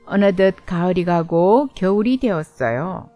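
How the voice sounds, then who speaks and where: A woman's voice: fairly low pitch, expressive, measured pace, warm tone, faint music behind. A woman storyteller narrating a bedtime storybook, reading expressively and simply as if to a toddler.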